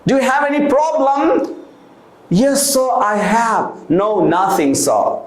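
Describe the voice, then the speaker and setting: A man's voice: very high-pitched, slow, reverberant. A man from India with an Indian accent and Hindi as his first language, teaching English vocabulary by repeating each word in sample sentences and mixing in Hindi.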